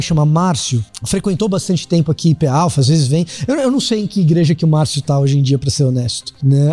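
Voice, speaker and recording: High-pitched, mellow Brazilian man, reflective. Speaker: panelist. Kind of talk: reflective panel discussion on faith.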